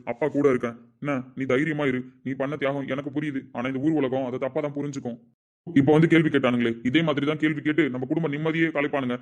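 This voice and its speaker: A man's voice: fairly high pitch, natural voice. A man playing a middle-aged father who defends his daughter with emphatic, indignant speech in a family drama. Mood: resolute. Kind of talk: amateur family drama acting.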